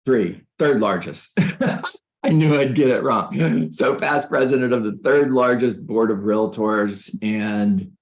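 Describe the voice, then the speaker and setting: A man hosting an interview show, introducing and questioning a guest in a conversational style. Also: lowish voice. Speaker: interview show host, coach.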